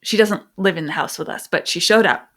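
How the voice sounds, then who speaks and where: A middle-aged American woman sharing personal stories and parenting advice as a podcast host, phrasing things emphatically with deliberate pauses. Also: on the low side, fairly bright tone. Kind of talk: conversational advice and personal storytelling.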